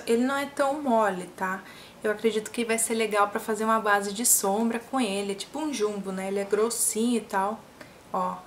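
A young woman with a slightly high voice chats to the camera in a small room full of makeup, upbeat and talkative. She shows off her purchases in a relaxed, friendly way. A faint room hiss sits behind her. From Brazil. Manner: chatty and upbeat, showing products. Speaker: beauty vlogger. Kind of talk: casual haul chat to camera.

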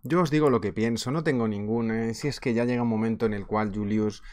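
A man in his thirties with a Spain Spanish accent, teaching a live online trading class in a chatty, animated way, laughing often, from a small office on a webcam. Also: on the low side, a little fast. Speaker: trading instructor. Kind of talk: casual live webinar teaching.

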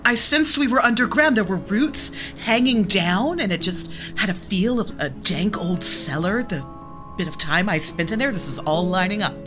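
A woman playing an earnest seer in a fantasy role-play game, thoughtful and deliberate. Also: mid-range voice, lively intonation, over music, close to an everyday voice. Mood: earnest, intent. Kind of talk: in-character tabletop role-play.

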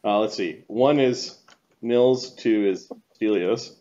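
A man's voice: on the low side, slow, dark tone, dull audio. A middle-aged man running a tabletop game as game master, casually narrating and explaining rules over an online call. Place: indoor room, video call.

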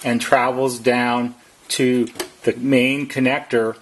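A man's voice: mid-range voice, little pitch movement, slow pace. Man giving methodical how-to instructions, noisy background. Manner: plain, methodical explaining. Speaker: repair technician giving instructions. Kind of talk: step-by-step how-to narration.

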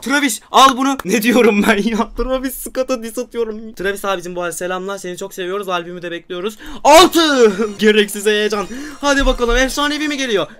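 A young man talks through a mobile game, loud and playful, teasing his viewers. His voice sits very high and rings bright and sharp. He shouts on every lucky win. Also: quick pace, hardly any pauses, clean tone. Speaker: gaming YouTuber. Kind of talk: excitable gameplay commentary.

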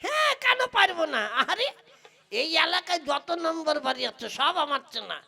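A woman's voice: extremely high pitch, sing-song, normal speed, vocal fry, pushed and bright, heavily acted. A woman playing a cheeky, greedy male tea seller who stalls and teases in an exaggerated comic puppet play. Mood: cheeky, boastful. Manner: exaggerated, teasing, long-winded.

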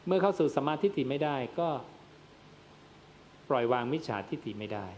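Thai monk preaching a dharma sermon. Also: male voice, fairly high pitch, very animated, a little fast, darkish tone, a little hiss or hum. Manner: addresses listeners as "yom", asks and answers his own questions. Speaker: Buddhist monk.

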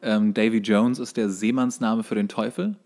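A man's voice: lowish voice, steady tone, normal speed, a little mellow. A man co-hosting a podcast, chatting casually and explaining bits of trivia. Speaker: podcast co-host.

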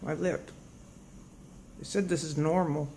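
A middle-aged woman talking in a dazed, groggy, halting way after anesthesia, in a casual video diary recorded on a phone from a hospital bed. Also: sits low, fairly even intonation, warm tone, a little hiss or hum. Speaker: patient vlogging after surgery. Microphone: phone at arm's length.

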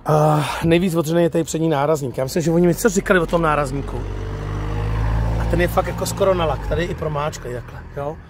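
Chatty man with a slightly high voice. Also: background noise. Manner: chatty, informal, tags sentences with "jo". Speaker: host of a car review channel. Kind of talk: casual car walkaround and test drive vlog. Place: outdoors at a used car lot, then inside a car.

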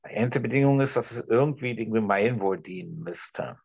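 A middle-aged man with a restrained Berlin German accent gives an improvised address, halting and choosing his words carefully, with a gravelly, husky voice. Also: fairly low pitch, animated, darkish tone, no room sound. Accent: Berlin German, restrained toward High German. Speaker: discussion participant. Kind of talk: improvised speech to an imagined TV audience. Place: small room indoors. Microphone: video call, device at some distance. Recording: dull, lo-fi video-call audio.

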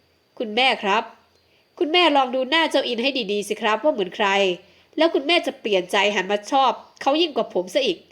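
A woman's voice: a little high, animated, fairly quick, fairly bright tone. Teasing young son, voiced by a woman narrator; playful audiobook part. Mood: coaxing. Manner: teasing, laughing.

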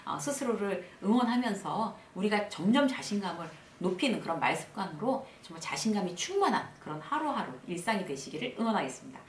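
Lively woman coaching, echoey room. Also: medium pitch, quick pace, hardly any pauses, recorded from a distance, slight background noise. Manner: lively, acts out upbeat self-talk and cheering. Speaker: workplace lecturer and channel host. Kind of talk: casual spoken lesson to camera.

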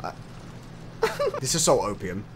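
A man's voice: medium pitch, huge pitch swings, takes it slowly, very noisy. A young man giving casual gameplay commentary, jumpy and laughing, swearing and yelping when startled. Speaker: gaming streamer.

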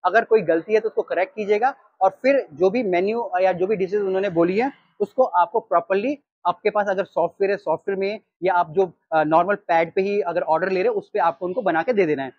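A man in his thirties with an Indian accent, teaching restaurant staff how to take orders in an animated way. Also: high voice, a little fast, hardly any pauses, breathy edge, dry recording, muffled recording. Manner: animated, gestures while reading from a sheet. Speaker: restaurant trainer. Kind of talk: training talk. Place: storefront of a small takeaway, outdoors. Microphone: lapel mic.

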